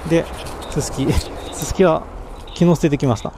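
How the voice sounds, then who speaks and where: A man's voice: fairly high pitch, fairly even intonation, normal speed, noisy background. A man livestreaming outdoors, chatting casually to viewers while testing and fixing his microphone through a voice recorder. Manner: mumbling mic checks, talking to viewers while fixing audio. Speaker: cycling livestreamer. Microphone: voice recorder mic.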